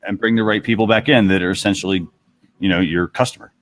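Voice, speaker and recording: Male host, fairly low register, relaxed talk show conversation, headset microphone. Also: fast. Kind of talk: casual talk show chat.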